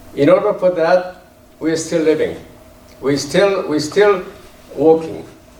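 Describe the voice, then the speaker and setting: A man with a high pitch speaks at a fairly slow pace, leaving long, frequent pauses, with fairly even intonation. Noticeable background noise sits behind him. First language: Korean. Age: 80s+. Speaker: business owner. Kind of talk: forum speech. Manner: halting.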